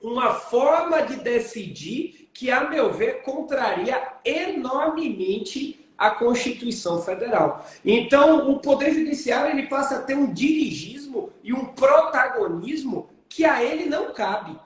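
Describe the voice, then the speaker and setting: A man, a lawyer and interview guest, explaining legal points in a measured way and posing rhetorical questions to himself. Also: very high-pitched, lively intonation. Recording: very echoey room.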